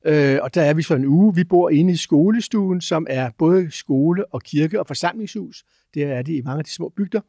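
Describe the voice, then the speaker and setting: A man telling adventure stories as a guest, lively but halting, with many filler sounds. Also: a little high, dry recording, studio quality. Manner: lively, acts out chants and sounds. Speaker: guest explorer. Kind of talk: animated storytelling.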